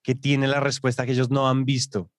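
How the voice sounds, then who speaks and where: A man co-hosting a casual podcast, answering with easy agreement and then musing on the point. His voice sits at an ordinary pitch for a man. The sound is dry and close, with no room echo. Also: completely flat delivery, fairly quick. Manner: agreeable, reacts with short affirmations. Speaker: podcast co-host. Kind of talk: casual chat.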